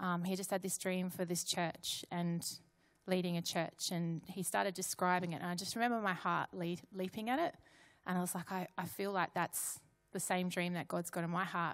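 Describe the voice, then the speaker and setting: A woman's fairly low voice moves at a moderate pace with monotone, flat intonation. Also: very clean recording, silent background. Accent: Australian. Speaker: pastor. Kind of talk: conference talk. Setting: stage with audience.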